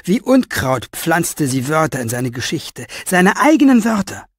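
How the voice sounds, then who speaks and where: A man reading an audiobook with expressive storytelling. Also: a little high, measured pace, no echo. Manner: expressive storytelling with lively inner voice. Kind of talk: audiobook narration.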